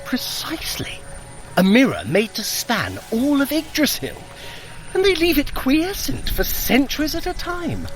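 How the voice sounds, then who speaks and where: An actor playing a sly, clever trickster god in an audio drama, with a wry, theatrical, condescending manner. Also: male voice, very high voice, wildly swooping pitch, a little slow, soft background music, heavily acted, low-quality recording. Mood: testing, brisk.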